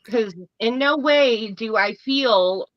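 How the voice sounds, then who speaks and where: A woman's voice: on the high side, slow, no room sound, dull audio. A woman in her thirties chatting on a podcast, peppering her talk with "like". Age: 30s. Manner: lots of "like", incredulous. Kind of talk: casual chat.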